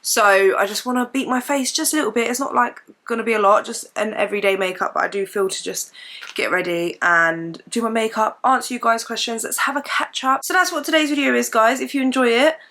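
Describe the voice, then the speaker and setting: Young woman vlogger, hoarse and croaky, bright forward tone, rambling casual chat at home. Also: on the high side, fairly quick. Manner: chatty, rambling, lots of fillers. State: hoarse and croaky from a chesty cough. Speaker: beauty and fitness vlogger. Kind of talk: casual chat while doing makeup. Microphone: camera mic, sitting in front of camera.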